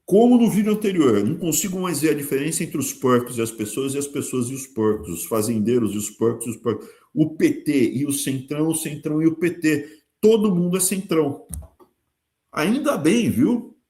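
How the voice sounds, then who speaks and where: Brazilian male host, sarcastic political commentary, warm tone, roomy echo. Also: on the high side, moderate pace. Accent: Brazilian Portuguese. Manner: sarcastic, lively, talks with colloquial asides. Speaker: channel host. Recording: echoey room.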